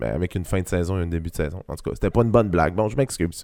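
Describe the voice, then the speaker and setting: A man speaks very fast in a very deep, low voice with a dark, mellow tone. His pitch variation is ordinary, and the recording is very clean with a silent background. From Quebec, Saguenay-Lac-Saint-Jean. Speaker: podcast host, guest. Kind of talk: casual chat. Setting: studio.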